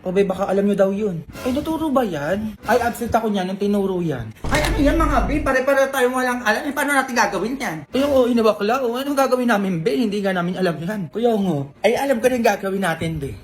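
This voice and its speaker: A woman's voice: mid-range voice, lively intonation, fast, hardly any pauses, noisy background. A woman acting out several roles in a playful, bantering comedy skit.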